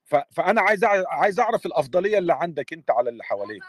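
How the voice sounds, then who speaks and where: Man, Egyptian accent, challenging debater, quick, slightly high voice. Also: sing-song. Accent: Egyptian Arabic. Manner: challenging, questioning, cuts in. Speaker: skeptic debater. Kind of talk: online debate in a voice chat room.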